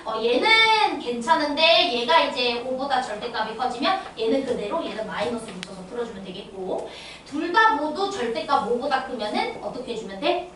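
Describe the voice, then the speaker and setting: Bright-voiced woman math teacher, echoey room. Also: high-pitched. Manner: checks understanding with constant tag questions. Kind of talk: lecture to exam students. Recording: echoey room, distant mic, faint noise.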